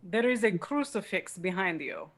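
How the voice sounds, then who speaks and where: A woman's voice: medium pitch, expressive, normal speed, fairly bright tone, natural voice. A woman playing a bossy, eager male vampire in a comedy table read. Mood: curious. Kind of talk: video-call table read of a comedy film script. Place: remote video-call reading.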